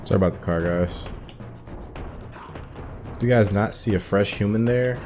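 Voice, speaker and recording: A man's voice: on the low side, normal speed. A man giving casual commentary as he plays through a video game for his viewers. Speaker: gaming streamer doing a playthrough. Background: game music.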